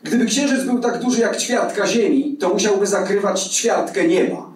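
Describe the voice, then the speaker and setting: A man's voice: high-pitched, moderate pace, pitched above the performer's own voice, close to an everyday voice. A man doing a blunt, scornful young worker. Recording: echoey hall from far off.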